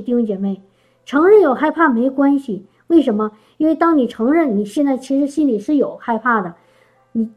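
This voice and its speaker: A middle-aged woman preaches in a high, light voice. She talks to her listeners like a friend, restarting her phrases and asking them rhetorical questions. Her sermon sounds like a relaxed, informal chat. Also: poor audio.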